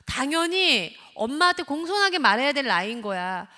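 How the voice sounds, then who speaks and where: A woman acting out a furious mother who berates and insults her teenage son with shouted demands, heard in a church hall. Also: a little high, animated, a little fast. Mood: furious scolding.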